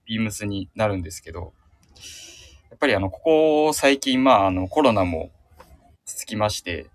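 A man's voice: on the low side, lively intonation, normal speed, no room sound, clean studio sound. A man chatting casually as a radio guest, hesitant and rambling, over a remote connection. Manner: hesitant, rambling, self-conscious. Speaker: radio show guest, shop staff member. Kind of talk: casual chat and anecdote telling.

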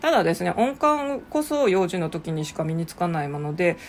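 A woman's voice: on the low side, brisk, a little hiss or hum. A woman who teaches English, talking casually on her own show with lots of fillers and asides. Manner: chatty, frequent fillers and asides. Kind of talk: casual solo talk.

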